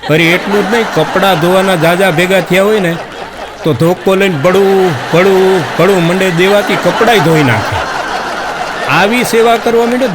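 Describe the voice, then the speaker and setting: A man telling folk jokes on stage, acting out the characters in animated storytelling. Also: high-pitched, background noise. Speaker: comedian storyteller.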